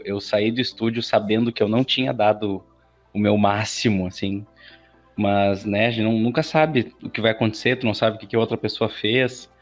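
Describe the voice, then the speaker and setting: A man in his thirties giving casual interview answers as a guest, acting out his own past thoughts as he tells stories. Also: lowish voice. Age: 30s. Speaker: interview guest, aspiring voice actor.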